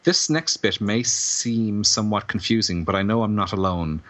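A man's voice: lowish voice, normal speed, a bit bright. An Irish man chatting casually as a co-host on a podcast. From Ireland. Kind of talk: casual chat.

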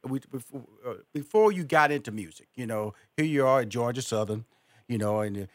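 A man's voice: medium pitch, lively intonation, brisk, no room sound. A man hosting a radio interview, enthusiastic and given to repeating words as he starts a thought. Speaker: interview host.

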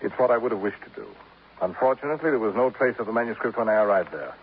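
Male actor as a fussy, pompous poet; lively, ornate delivery; thin, hissy vintage radio sound. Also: on the low side, racing, close to an everyday voice. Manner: grandiloquent, formal, addresses others as sir. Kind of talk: 1950s radio drama acting. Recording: tinny, hissy old radio broadcast.

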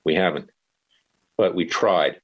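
Deep-voiced male host, combative and blunt, talks over guests. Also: takes it slowly, muffled recording. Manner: forceful, interrupting, blunt. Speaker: talk show host. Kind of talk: combative political talk.

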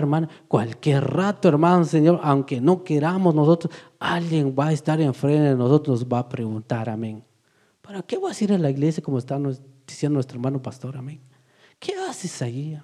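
Fervent preacher, loud then hushed. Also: male voice, medium pitch, husky. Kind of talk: evangelical sermon.

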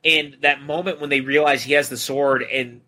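A podcast co-host with a medium-pitched, steady voice at normal speed talks through scenes of a film. His tone is bright and forceful, and he's casual and enthusiastic, recounting scenes and quoting lines.

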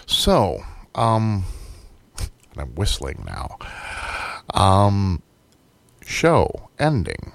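A man's voice: low-pitched, huge pitch swings, extremely slow, creaky, long pauses, no echo. A man hosting a casual radio show, rambling with dry jokes while losing his voice. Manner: rambling, dry joking, many hesitations. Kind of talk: casual chat.

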